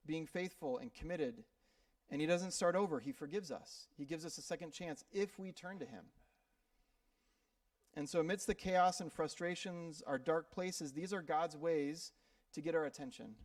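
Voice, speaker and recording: Brief: male pastor from Minnesota, slightly higher voice, conversational sermon delivery, dry sound with the mic set back from him. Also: no room sound, far from the mic. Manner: conversational preaching with frequent fillers and repeated words. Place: church sanctuary.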